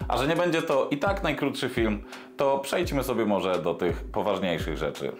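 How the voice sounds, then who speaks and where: A man in his thirties ranting sarcastically on a commentary vlog, swearing freely and dropping low for emphasis, recorded indoors on a lapel mic. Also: animated, moderate pace, roomy sound, soft background music. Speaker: commentary vlogger. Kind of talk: scripted commentary rant. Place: small indoor room with desk and monitor.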